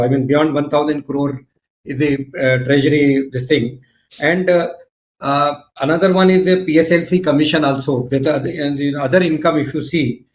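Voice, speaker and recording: A man with an Indian accent asking questions as an analyst on an earnings call, deferential, wordy and a little hesitant, on roomy conference-call audio. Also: on the high side.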